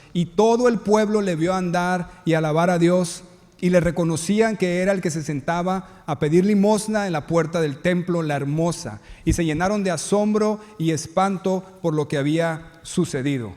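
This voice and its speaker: A man's voice: high-pitched, moderate pace, a little mellow, in a large hall. A male pastor preaching a sermon, telling stories and acting out the characters' lines.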